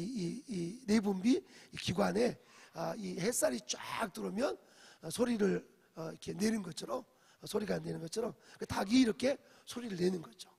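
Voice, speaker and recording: A man's voice: sits high, creaky, a little mellow, husky. A male pastor giving a dawn service sermon, telling the story, asking the congregation questions and dropping in English phrases. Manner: acts out quoted speech, drops in English phrases. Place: church sanctuary. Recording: echoey church hall.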